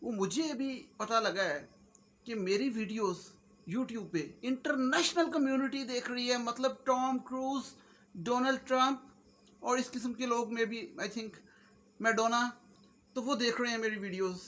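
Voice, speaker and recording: A man with a very high, bright, forceful voice and a Punjabi accent talks casually to his viewers. He rambles in a joking way, slipping between Urdu, Punjabi and English. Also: unhurried. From Pakistan. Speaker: YouTuber host. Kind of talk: casual comic-motivational monologue.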